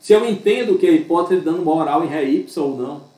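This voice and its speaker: The man's pitch swings very widely while noticeable noise sits in the background. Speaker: law professor. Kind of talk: lecture.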